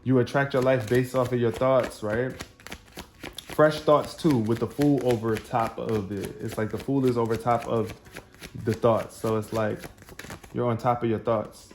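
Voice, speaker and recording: A man giving an animated, spontaneous tarot reading, talking straight to his viewers and laughing often. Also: mid-range voice, a little slow, slight background noise. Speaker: tarot reader.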